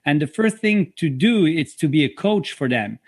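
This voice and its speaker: A man from Quebec with a French Canadian accent, a physiotherapist speaking English as a second language in a podcast interview, halting and searching for words. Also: on the high side, expressive, darkish tone, husky, no room sound, studio quality. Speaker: physiotherapist guest.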